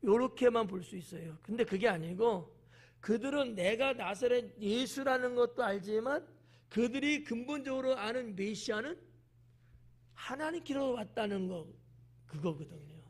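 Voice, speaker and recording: A man's voice: very high voice, expressive, moderate pace. A male pastor giving a conversational sermon, explaining the passage and asking the congregation questions. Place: church.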